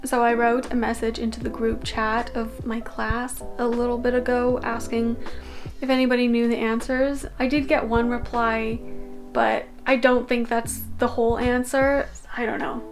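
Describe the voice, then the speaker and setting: A young woman from Canada chats to her vlog camera with a slightly high voice. She rambles easily, dropping fillers and small laughs. Soft music plays underneath. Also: level tone, normal speed. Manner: chatty, filler-heavy, laughs often. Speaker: vlogger. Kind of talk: casual vlog talk to camera.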